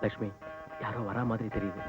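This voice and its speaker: A man's voice: fairly low pitch, flat delivery, brisk, lightly acted. An actor playing a playful young man who soothes and reassures his beloved in an old film drama. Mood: tender. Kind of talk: 1990s film drama dialogue. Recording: tinny old film soundtrack with music.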